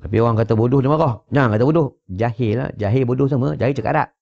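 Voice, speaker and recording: Man, Malaysian Malay accent, religious teacher, gravelly voice, jokey rhetorical lecture style, dull lo-fi recording. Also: medium pitch, rapid-fire, darkish tone. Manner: jokey, rhetorical, checks listeners with "ha? eh?". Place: private home gathering. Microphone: wireless lapel mic. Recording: dull lo-fi sound.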